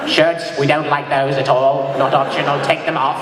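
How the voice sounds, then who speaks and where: A man voicing a flamboyant, theatrical male cartoon villain with a drawn-out delivery, recorded in an echoey hall with a crowd. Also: on the high side, flat delivery, pitched below the performer's own voice, lightly acted. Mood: gleeful, sly. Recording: echoey hall, distant, noisy laughing crowd.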